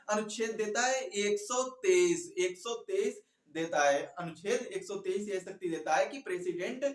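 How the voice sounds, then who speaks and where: Male exam coach, high-pitched voice, repetitive question-and-answer teaching, recorded off-mic in a reverberant room. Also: a bit bright. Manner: repeats questions and answers for emphasis, quizzing listeners. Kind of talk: informal exam lecture addressed to online students. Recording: echoey room, distant microphone.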